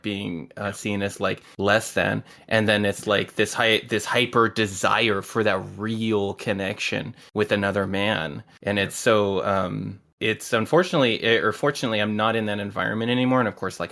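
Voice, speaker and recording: Rambling low-voiced man hosting a podcast. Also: fairly bright tone. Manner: rambling, many filler words, candid. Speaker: podcast host. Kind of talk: casual conversation.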